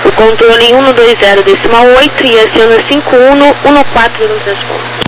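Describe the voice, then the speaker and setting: Male Brazilian air traffic controller, very high voice, procedural phraseology, noisy aviation radio. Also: steady tone, fairly quick.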